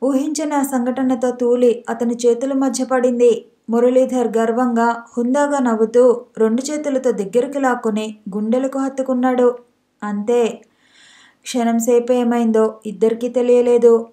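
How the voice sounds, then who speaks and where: A woman narrating a romance novel as an audiobook reader, in steady storytelling. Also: fairly high pitch, normal speed. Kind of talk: scripted narration.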